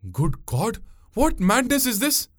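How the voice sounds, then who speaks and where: A man's voice: very high-pitched, very animated, slow pace, voice pushed up, heavily acted. A man voicing a bold boatwoman in a story, unruffled and scornful, with a taunting conversational manner. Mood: scolding.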